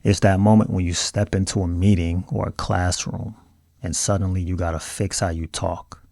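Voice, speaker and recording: A man's voice: deep voice, little pitch movement, normal speed, gravelly, mellow, dry recording, studio quality. A man with an African American accent delivers scripted video commentary in an earnest, emphatic, colloquial way. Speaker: video host.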